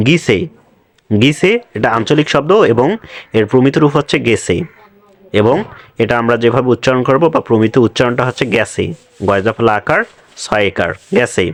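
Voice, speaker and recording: A young adult man teaching a class lecture, speaking slowly and spelling words out letter by letter. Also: mid-range voice, no echo.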